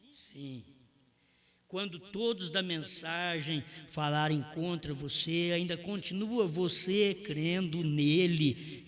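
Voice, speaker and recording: Male preacher, Brazilian accent, fervent sermon delivery, high pitched and piercingly bright. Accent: Brazilian Portuguese. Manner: impassioned, swings from shouting to quiet.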